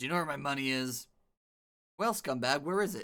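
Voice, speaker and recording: A man puts on a growling, raspy character voice. He talks at a fairly quick pace. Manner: growling, menacing.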